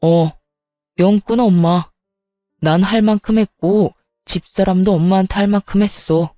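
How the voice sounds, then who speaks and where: A woman's voice: normal speed, warm tone, dry recording, clean studio sound, faint music behind, natural voice. A woman voicing a protective husband who confronts his mother firmly and angrily in a told story. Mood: angry. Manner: low, firm, angry confrontation. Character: protective husband, man in 30s, stern and furious.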